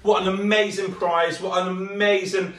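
Croaky, excited man in a roomy living room. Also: high-pitched, normal speed, background noise. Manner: enthusiastic, chatty, gestures while talking. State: slightly croaky from a cough. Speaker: channel host. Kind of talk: upbeat announcement to viewers. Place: living room at home, indoors. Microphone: camera across the room. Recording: roomy echo from a distant camera mic.

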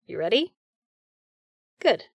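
A woman's voice: slow pace, dry recording, natural voice. A woman playing a friendly, chatty, reassuring female caroler in a one-sided roleplay audio conversation. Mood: shy, flirty. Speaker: voice actor.

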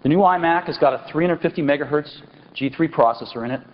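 A man in his forties delivers a product keynote from a big auditorium stage, with a slightly high voice and emphatic, dramatic pauses. The audio is dull and lo-fi, with faint hiss under it, like an old event tape. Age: 40s. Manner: enthusiastic, emphatic, pausing for effect. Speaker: company executive presenting a product keynote.

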